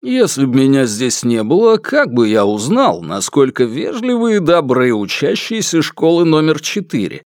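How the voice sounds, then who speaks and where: Man doing a calm, wry old man. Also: a little high, normal speed, hardly any pauses, no echo. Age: 60s. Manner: calm, dry and gently ironic.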